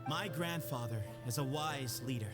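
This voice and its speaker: A man's voice: mid-range voice, moderate pace, natural voice. An actor playing an earnest young male heir of a desert temple, speaking in a solemn, declamatory way. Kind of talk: game voice acting. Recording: game audio over loud music.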